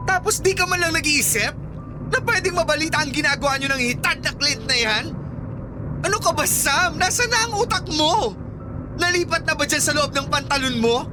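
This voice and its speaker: A performer acting a jealous, sharp-tongued, wounded gay office worker in an accusing, sarcastic Filipino radio drama style. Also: high-pitched, animated, normal speed, background noise. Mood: hurt, outraged. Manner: accusing, sarcastic, emotionally escalating.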